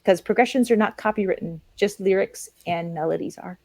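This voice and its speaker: Woman calmly talking through chords. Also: mid-range voice, brisk, dry recording. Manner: explains chords plainly and patiently. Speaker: ukulele teacher. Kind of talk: casual music lesson and chat.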